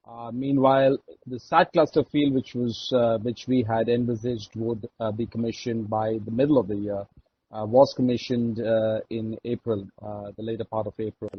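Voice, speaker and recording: A man with an Indian accent giving a formal, measured and somewhat hesitant executive report on an earnings call. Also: mid-range voice, little pitch movement, muffled recording, a little hiss or hum. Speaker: oil and gas executive. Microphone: conference call line.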